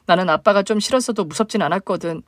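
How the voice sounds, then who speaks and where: A woman's voice: mid-range voice, fast, no echo, clean studio sound, lightly acted. A woman voicing a hurt young single mother, the younger sister, speaking plaintively in a dramatized story. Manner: plaintive, emotional questioning.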